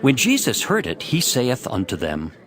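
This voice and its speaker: A man's voice: medium pitch, huge pitch swings, moderate pace, fairly bright tone. A man narrating a dramatized scripture reading from a script. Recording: music behind the voice.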